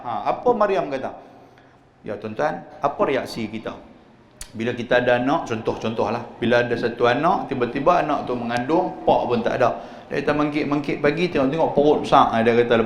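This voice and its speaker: A man with a northern Malay accent teaches scripture to a mosque congregation. He tells stories with humour and keeps asking his listeners questions, in a voice pitched somewhat high for a man. The live-stream audio rings with the echo of a large hall over a faint background hum. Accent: Northern Malay (Kedah-Penang). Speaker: religious teacher. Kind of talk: mosque sermon-lecture on Quran commentary.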